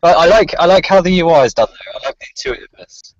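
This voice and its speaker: A man's voice: fairly high pitch, lively intonation, fast talker, no room sound. A man co-hosting a livestream over an internet call. He gives brief, laid-back replies, and his mic is peaking, clipping and breaking up. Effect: clipping, peaking, breaking-up mic audio. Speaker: co-host on a livestream. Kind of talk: casual chat. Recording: dull, lo-fi, dry call audio.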